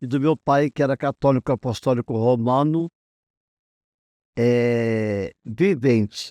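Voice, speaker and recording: This man has a medium pitch and a dark, mellow tone with ordinary pitch variation. The sound is dry and close with no echo, over a quiet background. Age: 60s. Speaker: pastor. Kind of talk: testimony. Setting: studio.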